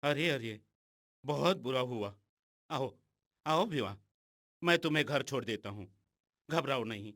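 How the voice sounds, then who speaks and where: A man voicing a kindly, protective village uncle in an animated film, speaking in a soothing, caring way. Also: mid-range voice, unhurried, pauses often.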